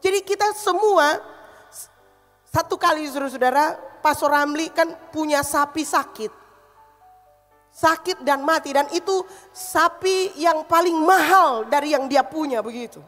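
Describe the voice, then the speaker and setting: High-voiced woman preaching with a Manado accent. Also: a little slow, a bit bright, big-room sound, soft background music. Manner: emphatic, calls the congregation to repeat phrases. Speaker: pastor. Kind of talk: sermon. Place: church hall.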